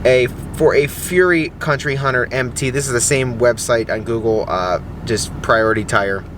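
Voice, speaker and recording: A man's voice: mid-range voice, normal speed, background noise. A man chatting casually and off the cuff, as a vlogger giving a product review. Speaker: vlogger reviewing truck tires. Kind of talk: casual chat, off-the-cuff vlog.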